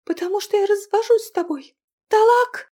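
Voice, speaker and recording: A woman voicing a hot-tempered, stubborn young woman who shouts her lines shrilly in an audiobook. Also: very high voice, moderate pace, pitched above the performer's own voice. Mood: furious.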